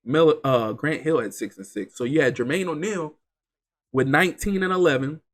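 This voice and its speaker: Congested male game-channel host, slightly higher voice, excitable stat-heavy play-by-play. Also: normal speed. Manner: reels off stats, chatty and excitable. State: congested, getting over an illness. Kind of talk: casual commentary over a basketball video game simulation.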